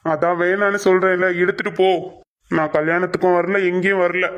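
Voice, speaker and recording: A man voicing a gruff, stubborn middle-aged husband and father who speaks curtly. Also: high voice, level tone, fairly quick, dull audio. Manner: gruff, curt. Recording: soft music underneath.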